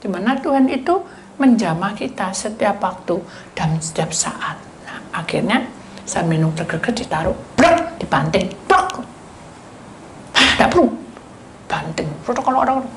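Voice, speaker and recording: A woman pastor preaching and telling stories, animated, dropping into whispered asides while addressing the congregation. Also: mid-range voice, moderate pace. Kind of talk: sermon with storytelling. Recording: roomy hall echo, faint noise.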